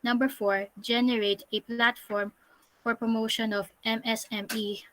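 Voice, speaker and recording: A woman's voice: on the high side, level tone, moderate pace, fairly bright tone, no room sound, rough recording. Woman reading a presentation, dry sound. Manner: reads list items aloud. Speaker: student presenter.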